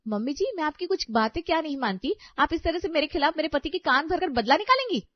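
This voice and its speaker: A woman's voice: high-pitched, very animated, quick pace, no room sound, voice pushed up. A woman voicing a spoiled, haughty young bride in a cartoon story who is rude and sarcastic to her mother-in-law. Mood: indignant. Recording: dry, slightly dull audio.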